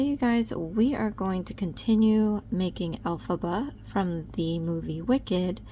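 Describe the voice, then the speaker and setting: A woman's voice: fairly low pitch, darkish tone, a little hiss or hum. A woman giving a chatty step-by-step crochet tutorial, with frequent ums. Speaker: crochet instructor.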